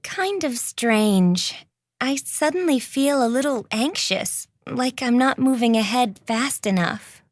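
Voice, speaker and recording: A woman's voice: on the high side, animated, slow, no echo, studio quality. A woman playing a twenty-one-year-old woman who speaks thoughtfully and a little anxiously in a scripted textbook dialogue. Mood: reflective. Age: young adult. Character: 21-year-old woman, unsure about her career.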